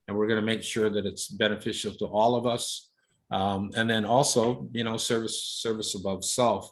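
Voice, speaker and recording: A man from Hawaii giving an informal leadership presentation with slides, speaking casually with many fillers and often ending points with "right?". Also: on the low side.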